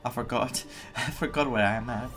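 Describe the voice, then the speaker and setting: A man's voice: mid-range voice, normal speed, a bit bright, faint music behind. A man doing casual gameplay reaction commentary, muttering to himself and to the game as he plays. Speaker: game streamer.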